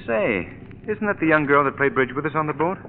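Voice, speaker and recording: A man playing an urbane, wry young gentleman adventurer in an old radio drama, polished and inquisitive. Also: fairly high pitch, lively intonation, a little fast, in a large hall. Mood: questioning. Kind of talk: 1930s radio acting. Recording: tinny old radio, faint background noise.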